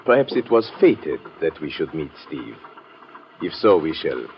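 Suave Egyptian romantic, deep voice, sweeping intonation, courtly, ornate, old radio drama. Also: male voice, sing-song, measured pace, heavily acted. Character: smooth, flowery, romantic Egyptian gentleman adventurer. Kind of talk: 1950s radio drama acting. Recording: muffled, noisy old radio recording.

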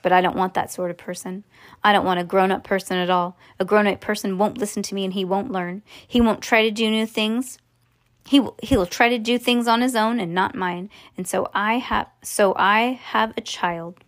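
A woman voicing an excitable, grand elderly male candy factory owner from a storybook, with an emphatic manner. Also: mid-range voice, moderate pace, lightly acted. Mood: earnest, confiding. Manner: emphatic, exclamatory.

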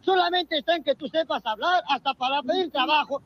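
A man with a Peruvian Spanish accent doing a rowdy street comedy routine, shouting punchlines and acting out dialogue. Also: very high voice, brisk, dull audio.

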